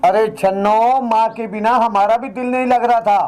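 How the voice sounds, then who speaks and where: A man's voice: high voice, fairly even intonation, normal speed, darkish tone, clean tone, lightly acted, poor audio. A man playing a scheming son in a family skit, in a coaxing way. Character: scheming son, falsely sweet. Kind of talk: low-budget comedy skit acting.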